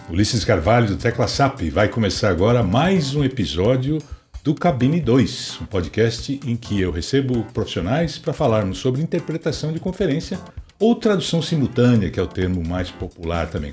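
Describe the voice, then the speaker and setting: A man from Brazil hosting a podcast interview, upbeat and lively as he introduces and questions his guest. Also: on the low side. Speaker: podcast host.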